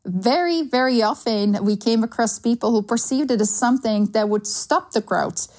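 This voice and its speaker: Earnest Slovak-accented woman, measured pace. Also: fairly high pitch, darkish tone. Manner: earnest, measured, frequent "uh" fillers. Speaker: guest, sustainability consultancy founder. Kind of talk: interview answers.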